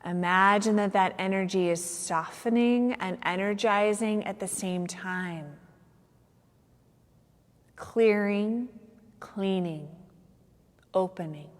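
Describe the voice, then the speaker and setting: A woman guiding a meditation as a yoga nidra teacher, soothing and unhurried, with long pauses between phrases. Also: mid-range voice. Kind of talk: guided meditation. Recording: long reverberant hall-like echo.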